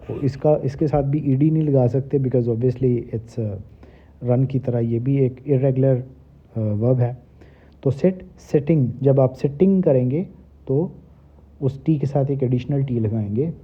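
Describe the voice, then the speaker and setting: A middle-aged male teacher. He reads English grammar rules slowly word by word, then explains them in a relaxed way. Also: mid-range voice, breathy edge. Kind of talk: recorded classroom lecture. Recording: tinny phone-like lecture recording.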